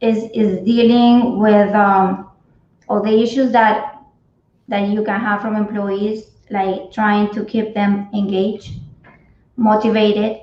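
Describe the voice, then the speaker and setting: A woman's voice: medium pitch, level tone, slow. Woman, HR guest, earnest, restarts often, roomy echo. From Colombia. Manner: earnest, frequent restarts and repeated words. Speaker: cannabis company HR guest. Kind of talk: interview answers. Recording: echoey, dull remote audio.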